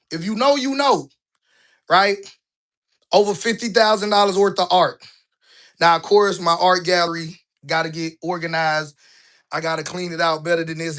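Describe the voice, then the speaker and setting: A man in his thirties talking casually while walking through his office building, asking "right?" a lot, a bit out of breath. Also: a little high. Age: 30s. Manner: conversational, asks rhetorical "right?" often; colloquial, relaxed grammar. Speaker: business vlogger.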